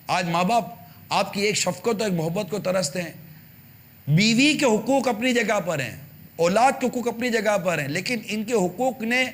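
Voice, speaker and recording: A man preaching on a religious TV channel, speaking to parents with emphatic rhetorical questions and repeated phrases. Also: high voice. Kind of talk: television sermon addressing parents.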